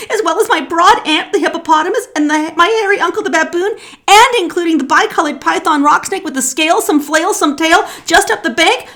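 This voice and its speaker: A woman's voice: very high-pitched, fairly bright tone, pitched above the performer's own voice. A woman voicing a polite, naive and insatiably curious young elephant child in a children's story, earnest and breathless.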